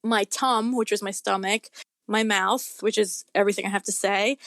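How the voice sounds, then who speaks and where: A woman in her forties chatting casually as an interview guest, effusive and excitable, often exclaiming. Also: mid-range voice, normal speed, creaky, no echo, clean studio sound. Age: 40s. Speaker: guest horror author.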